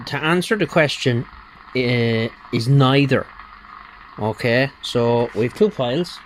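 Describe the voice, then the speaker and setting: A man's voice: medium pitch, a bit bright, slight background noise. A man talking casually through a radio repair demonstration at his workbench, rambling with lots of fillers. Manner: rambling and conversational, with many fillers.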